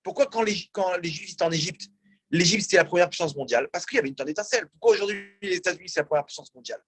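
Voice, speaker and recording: A man's voice: high-pitched, racing, a bit bright. A man, a rabbi, teaching a religious class and asking his audience questions as he explains. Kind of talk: religious lecture. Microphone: in-room mic, also streamed on a video call.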